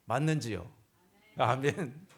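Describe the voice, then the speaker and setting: Pastor asking rhetorical questions. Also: male voice, medium pitch, animated, slow pace. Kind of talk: sermon. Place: church.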